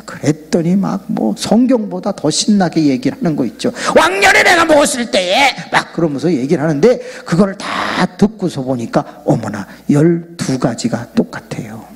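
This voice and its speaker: A male pastor with a very husky, breathy voice preaches a playful revival sermon in a big church sanctuary. His delivery swings widely in pitch, and he keeps getting the congregation to shout prayers. The long reverb of the hall trails after every phrase. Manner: jokey, animated, leads the crowd in loud shouted prayer.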